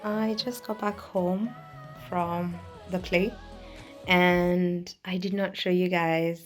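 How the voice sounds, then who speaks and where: A young woman vlogging casually at home, rambling and thinking out loud as she talks. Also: lowish voice, flat delivery, slow pace, over music, crowd noise, poor audio. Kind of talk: casual vlog chat. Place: at home, indoors.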